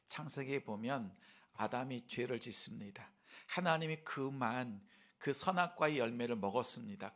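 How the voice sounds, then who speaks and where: A male pastor preaching a sermon, asking the congregation rhetorical questions and swinging between soft whispers and a raised pleading voice. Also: mid-range voice.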